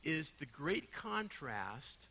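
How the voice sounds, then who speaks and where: A man with a raspy, hoarse voice preaching a sermon to a church congregation, swinging between loud bursts and quiet intimate asides. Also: on the high side, sing-song, slow. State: hoarse from a sleepless night. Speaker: guest pastor. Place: church sanctuary. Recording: dull sound with long hall reverb.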